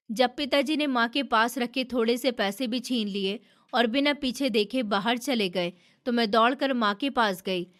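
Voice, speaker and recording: Woman narrator with a slightly high voice, steady and somber. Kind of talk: first-person scripted story narration.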